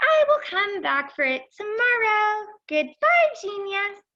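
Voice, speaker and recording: Using a squeaky, put-on character voice, a woman speaks at an extremely high pitch and a fairly slow pace, with very wide pitch swings and a confident, cheerful tone. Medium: read story.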